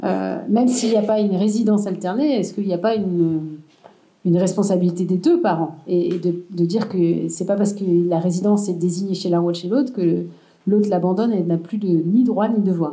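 Against a quiet background, a woman talks at a moderate pace with a dark, mellow tone and ordinary pitch variation. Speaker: event moderator. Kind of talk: event hosting. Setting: stage with audience. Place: cafe. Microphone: handheld.

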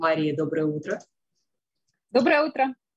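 A woman's somewhat breathy voice with a dark, mellow tone and very wide pitch swings, over light background noise. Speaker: webinar host. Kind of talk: live webinar hosting. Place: home room. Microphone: webcam.

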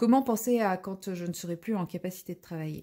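Against a quiet background, a woman speaks at a moderate pace with a dark, mellow tone, fairly low pitch and fairly even intonation. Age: 40s. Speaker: vlogger and crafter; vlogger. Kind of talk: casual vlog monologue; casual vlog chat. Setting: at home. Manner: hesitant, many fillers. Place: home room.

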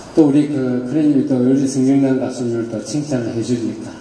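Light background noise and audible room echo are present in the recording. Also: man. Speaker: radio host and MC. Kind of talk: casual interview. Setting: studio with live singers. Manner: animated, cheerful. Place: studio.

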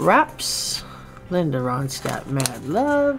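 Faint music plays in the background as the voice moves at a very slow pace. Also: woman. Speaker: collector vlogger. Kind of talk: casual vlog chat. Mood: cheerful, excited. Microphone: webcam.

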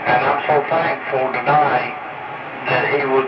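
A man talks very slowly while loud noise carries on in the background. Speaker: preacher. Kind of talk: radio sermon.

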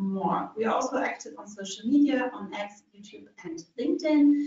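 The speech moves at a moderate pace, and audible room echo follows it. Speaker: webinar moderator. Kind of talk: webinar interview. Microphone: video call.

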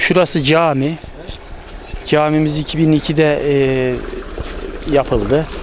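A man with a fairly high pitch speaks at a very slow pace, leaving long, frequent pauses. His intonation is fairly even, the sound dry with no echo, and light background noise is present. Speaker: village video presenter. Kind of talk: village tour with street interviews. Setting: outdoors. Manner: hesitant, many fillers. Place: open country. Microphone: handheld.

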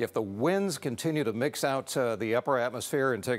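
Lively in intonation, a man speaks at a moderate pace and a medium pitch. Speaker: TV weather forecaster. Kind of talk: weather forecast. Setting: TV studio. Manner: brisk, number-dense forecaster delivery. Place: studio.

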